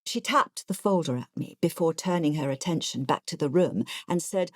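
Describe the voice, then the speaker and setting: Audiobook narrator: elderly English ex-nurse, artless and confiding, low register, lively inflection, dry close sound. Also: female voice, moderate pace, dry recording. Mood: confiding, digressive. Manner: confiding, digressive, matter-of-fact. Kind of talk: audiobook first-person narration.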